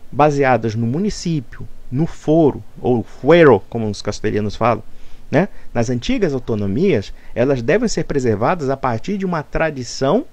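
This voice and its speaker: A man's voice: mid-range voice, animated, normal speed, darkish tone, dry recording. A man delivering an argumentative, lecturing rebuttal monologue. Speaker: commentator.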